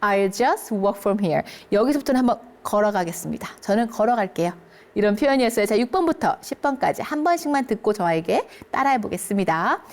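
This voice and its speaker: A woman teaching English phrases to older learners, speaking them slowly and clearly and checking in often with her listeners. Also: mid-range voice. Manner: lively, encouraging, keeps checking in with listeners. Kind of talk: English lesson for seniors.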